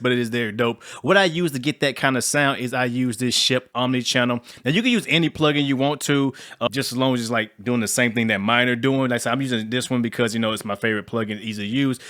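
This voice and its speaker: A man with a low voice giving a casual, slangy music-production tutorial, rambling with fillers. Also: a bit bright. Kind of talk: casual screen-recorded tutorial.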